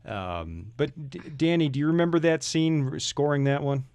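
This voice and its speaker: A man's voice: on the high side, moderate pace, darkish tone, clear, resonant tone, no echo. A man hosting a casual broadcast conversation, putting questions to a panel. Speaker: host.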